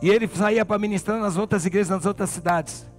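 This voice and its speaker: A pastor with a Brazilian Portuguese accent, preaching a sermon and telling a story with passion. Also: male voice, sits high, fairly even intonation, fast talker, faint music behind.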